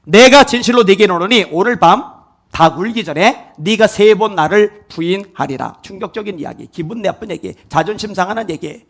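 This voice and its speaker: A man preaching from the pulpit in a notably high voice. He rises to loud, emphatic peaks and then drops to hushed, close asides. His delivery is that of a sermon to a congregation. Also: expressive, normal speed. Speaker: pastor.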